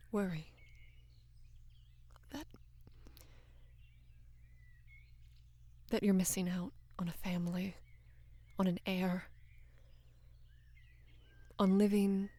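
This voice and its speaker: A young woman playing a devoted, lovestruck female knight in an intimate roleplay audio, speaking in a hushed, breathy, halting and earnest way. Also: lowish voice, no room sound. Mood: soft, worried. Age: young adult. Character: devoted female knight, tender, anxious, in love with queen. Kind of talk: intimate roleplay audio, soft acted monologue.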